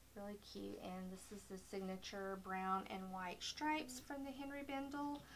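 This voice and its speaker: At a moderate pace and with hardly any pauses, a woman speaks with lively intonation over light background noise. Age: 40s. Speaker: beauty vlogger. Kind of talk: haul video monologue; casual vlog chat. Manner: casual, with many filler ums. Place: home room.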